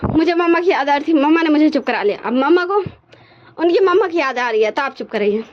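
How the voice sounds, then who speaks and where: A woman's voice: high voice, lively intonation, fast talker, muffled recording. A woman voicing a small boy who sobs and pleads for the mother he lost. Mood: cheeky. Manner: sobbing, pleading.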